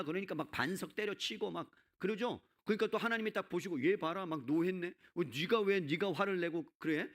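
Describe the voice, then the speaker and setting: A male pastor preaching a sermon in a conversational way, peppering the congregation with rhetorical questions and swinging between loud, quick bursts and low, hushed emphasis. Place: church sanctuary.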